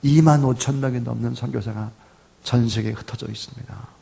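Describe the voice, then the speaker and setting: A middle-aged man preaching a sermon as pastor, dropping to soft asides and rising to loud emphatic lines. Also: mid-range voice, steady tone, brisk, vocal fry.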